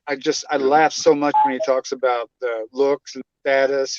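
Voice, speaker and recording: A man's voice: medium pitch, lo-fi sound. A man in his forties on a group call, rambling with many stammered restarts. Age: 40s. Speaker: caller.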